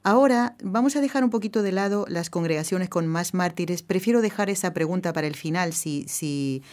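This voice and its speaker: Radio host, Argentine woman, slightly low voice, eager affirming manner. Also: fairly quick, darkish tone. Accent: Argentine Spanish. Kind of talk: radio interview.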